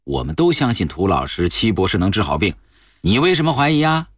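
A man's voice: lowish voice, sing-song, a little fast, no echo, clean studio sound. A man voicing a boastful, chatty middle-aged businessman who coaxes an old woman in a storybook reading. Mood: coaxing. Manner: coaxing, boastful.

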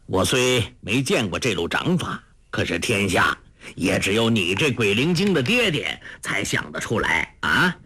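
A gruff old male beggar and martial master speaks low and teasing. A man acts him out in a storybook reading, letting the pitch rise and fall freely. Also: big pitch swings, measured pace, sharp tone, no room sound, exaggerated voice. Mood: amused.

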